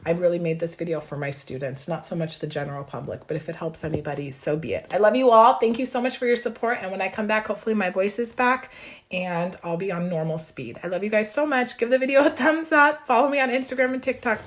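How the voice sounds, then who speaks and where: A woman math professor losing her voice, hoarse but brisk and bubbly as she rushes through exam solutions with playful asides. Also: medium pitch. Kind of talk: fast exam walkthrough.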